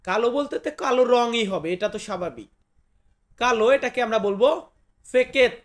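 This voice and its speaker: A man from Bangladesh with a notably high voice gives a casual vocabulary lesson. He repeats each new word slowly and talks straight to his viewers. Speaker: language teacher.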